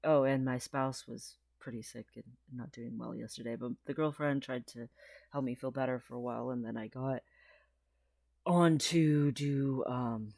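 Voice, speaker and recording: A man's voice: mid-range voice, steady tone, normal speed, gravelly, a little mellow, dry recording, clean studio sound. A trans man rambling through a casual video diary, with lots of fillers and frequent laughs, his voice sometimes cracking. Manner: chatty and rambling, many fillers, laughs often. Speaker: vlogger.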